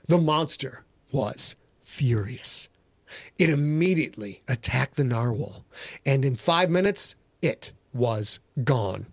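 American guy reading a story super dramatically, mock serious, higher voice that swoops around a lot. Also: no echo, studio quality. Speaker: author and narrator.

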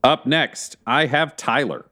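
A man's voice: medium pitch, takes it slowly, pushed and bright. A man running a tabletop game as game master, playful and laughing often.

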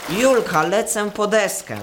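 A man's voice: high voice, unhurried. A naive boy acted by a young male performer in a radio drama. He speaks simply and earnestly in a youthful voice, with faint noise in the background. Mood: alarmed. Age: child or teenager. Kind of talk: radio play acting.

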